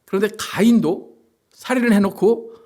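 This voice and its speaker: A man's voice: high voice, normal speed, darkish tone. A male pastor giving a sermon in a conversational way, often asking the congregation rhetorical questions. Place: church sanctuary.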